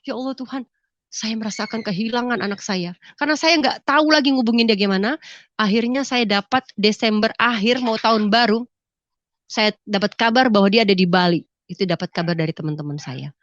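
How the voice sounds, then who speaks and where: Middle-aged woman, tearful church testimony, higher voice, dull dry recording. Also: fairly quick, a bit bright, dry recording. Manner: addresses listeners as "saudara", voice breaking with grief. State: tearful, sniffling. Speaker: testimony speaker.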